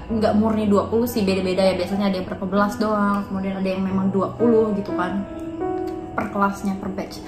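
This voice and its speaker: A woman in her twenties hosting a casual chat, explaining things step by step to her viewers. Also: medium pitch. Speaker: host. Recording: echoey room with music behind.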